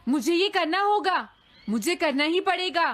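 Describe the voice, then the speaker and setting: Very high, whiny cartoon schoolboy. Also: expressive, measured pace, exaggerated voice. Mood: worried, self-pitying. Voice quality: childlike. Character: anxious, hapless schoolboy in a comedy cartoon. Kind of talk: dubbed cartoon acting. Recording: loud music behind the voice.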